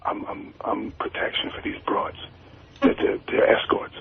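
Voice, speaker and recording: A man's voice: normal speed, slight background noise. Whispering man on a tinny phone line. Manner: whispering, stammering. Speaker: caller.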